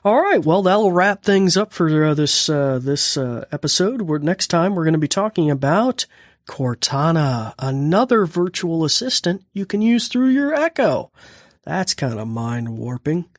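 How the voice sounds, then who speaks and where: An American man hosts a casual how-to podcast in a fairly high voice. The sound is dry and close as he explains and issues spoken commands. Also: very animated, a little slow, no room sound. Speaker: podcast host and instructor.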